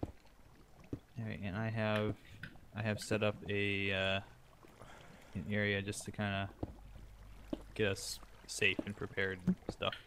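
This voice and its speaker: A man playing a game with friends, calmly giving directions and warnings. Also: on the low side, slow, long pauses, background noise. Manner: calm, helpful, gives directions. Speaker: teammate in a game. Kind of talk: casual gaming chat.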